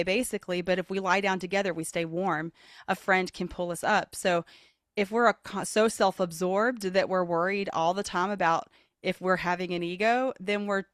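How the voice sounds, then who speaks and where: A woman's voice: no room sound, clean studio sound. A woman vocal leadership coach, a podcast guest, who speaks in an earnest, motivational way and jumps into playful voices to demonstrate. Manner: expressive, demonstrates voices with big pitch jumps. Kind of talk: podcast interview.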